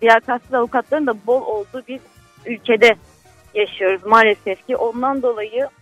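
Woman caller, lawyer, speakerphone line, high and dry, earnest and outspoken. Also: steady tone, normal speed, no echo, soft background music. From Istanbul, Turkey. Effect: phone call on speakerphone from a car. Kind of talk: live radio call-in chat.

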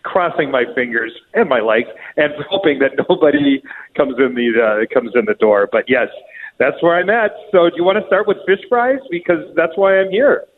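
A man's voice: fairly high pitch, expressive, moderate pace, slight background noise. Man phoning in from an echoey restroom. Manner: chatty, self-joking. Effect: echo of a tiled public restroom. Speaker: weekly events contributor calling in. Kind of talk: casual radio call-in chat. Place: public restroom. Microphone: phone. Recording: tinny phone line with restroom echo.

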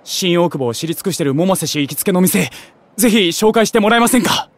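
A man's voice: sits high, expressive, quick pace, no room sound. A man playing an eager, geeky young junior in a voice drama, talking in gamer slang with casual politeness. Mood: pleading. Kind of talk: Japanese voice drama acting.

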